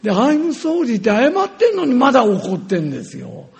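An older man telling a personal story in a sermon, animated and acting out scenes with sound words. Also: high voice, brisk, gravelly. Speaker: preacher.

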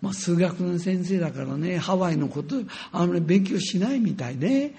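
Older male preacher, high gravelly voice, animated storytelling testimony. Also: moderate pace. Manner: animated, acts out scenes with sound words.

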